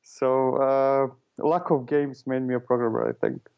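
A man's voice: medium pitch, fairly even intonation, a little slow, clean tone, dull audio. A man from Serbia answering interview questions casually, with hesitant talk full of fillers and restarts. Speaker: guest, author and consultant.

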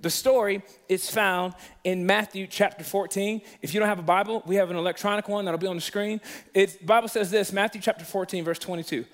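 Man, very high voice, guest preacher, comic and animated storytelling sermon. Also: fairly quick. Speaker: guest speaker.

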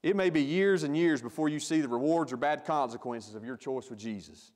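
A male pastor preaching a sermon with emphatic delivery, growing louder when he stresses a point. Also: medium pitch, fairly quick, long reverb tail.

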